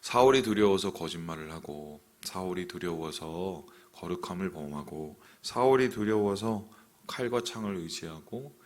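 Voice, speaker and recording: A male pastor preaching an early morning sermon, asking the congregation questions and voicing inner thoughts, sometimes dropping very soft. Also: low voice. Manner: preaching with rhetorical questions and voiced inner monologue.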